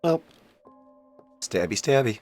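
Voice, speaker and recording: A man's voice: mid-range voice, sing-song, slow pace, over music. Wry, worn-out man streaming a game. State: sick, tired voice after hours of streaming. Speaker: streamer and voice actor. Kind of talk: casual game commentary.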